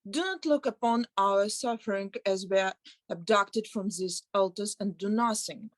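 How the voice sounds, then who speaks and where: A woman's voice: medium pitch, normal speed, natural voice. A woman playing a desperate suppliant begging for mercy in a formal reading of Greek tragedy. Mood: imploring. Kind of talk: live dramatic reading of ancient Greek tragedy. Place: online video call.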